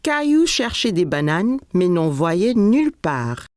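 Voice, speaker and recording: Animated storybook narrator. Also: female voice, lowish voice, slow pace, no room sound, clean studio sound. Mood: storytelling. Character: gentle storyteller narrating a small boy's day. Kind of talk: scripted storybook narration for a children's cartoon.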